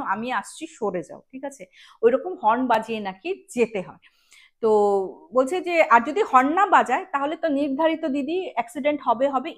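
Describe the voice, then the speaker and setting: A woman tells ghost stories as a show host. Her delivery is casual and conversational, like chatting with listeners. She mixes English words freely into her storytelling. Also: sits high. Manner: chatty, mixes English words into speech, acts out quoted dialogue.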